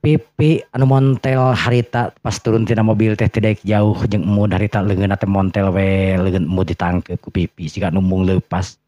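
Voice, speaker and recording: A man's voice: low voice, little pitch movement, moderate pace, warm tone, no room sound. A man with a Sundanese accent telling a story in a dramatic bedtime-tale style. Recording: muffled, lo-fi recording.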